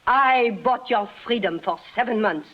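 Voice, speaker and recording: A woman's voice: on the high side, unhurried, dull audio. An actress playing a weary, bitter woman caught up with a criminal gang, speaking reproachfully. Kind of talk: 1950s radio drama acting.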